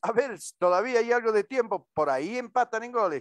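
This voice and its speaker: Extremely high in pitch, a man talks at a fairly quick pace. The sound is dry and close, with no echo. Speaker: football commentator. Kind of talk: live sports commentary.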